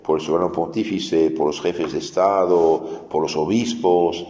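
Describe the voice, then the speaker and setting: A low, dark-toned man teaches catechism to adults. He explains patiently and circles back to repeat his main points. His voice rings out into a large hall with a long, roomy reverb. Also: fairly even intonation, moderate pace. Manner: explanatory, repeats key phrases, many restarts.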